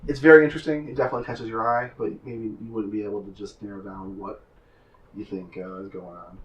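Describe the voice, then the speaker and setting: A man running a tabletop game as game master, describing scenes with many pauses and fillers. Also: lowish voice, fairly even intonation, recorded from a distance, rough recording. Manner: hesitant, filler-heavy describing.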